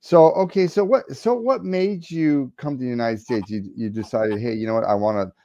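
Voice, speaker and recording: A man's voice: mid-range voice, normal speed, mellow, no room sound, dull audio. A man hosting a podcast interview, asking loose, rambling questions and restarting them often. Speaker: podcast host. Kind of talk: casual interview.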